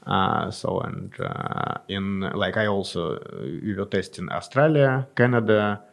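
A man with a Russian accent answering interview questions as a company founder, speaking conversational, halting non-native English. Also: fairly low pitch, animated, vocal fry. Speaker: guest, tech company founder and CEO.

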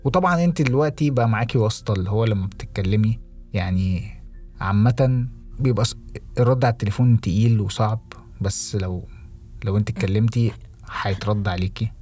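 A young Egyptian man co-hosting a podcast, talking reflectively with halting restarts and English phrases mixed in. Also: lowish voice, a little mellow, soft background music. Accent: Egyptian Arabic. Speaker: podcast co-host. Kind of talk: casual podcast conversation.

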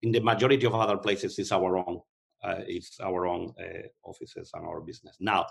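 A man's voice: low-pitched, fairly even intonation, fairly quick, creaky, fairly bright tone, breathy edge. A man from Spain with a Spanish accent, an executive answering interview questions thoughtfully, often restarting with fillers. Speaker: company executive.

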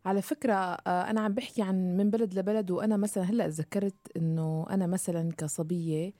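A woman from Syria with a Syrian Levantine Arabic accent, hosting an interview podcast in quick, chatty conversation. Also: fairly low pitch, fairly even intonation, dark tone, dry recording. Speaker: podcast host. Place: radio studio.

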